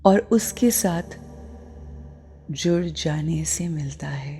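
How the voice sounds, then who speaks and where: A woman guiding a spiritual meditation in a calm, deliberate manner, with short phrases, long pauses and soft, breathy phrase endings. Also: deep voice, a little hiss or hum. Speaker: guided meditation teacher. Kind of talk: slow spoken guided meditation with spiritual reflections. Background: meditation music.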